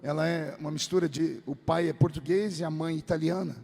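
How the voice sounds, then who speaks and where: A male pastor telling a comic personal story in a sermon, animated and lively, in a large church hall. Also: a little high, fairly quick, creaky. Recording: long hall reverb.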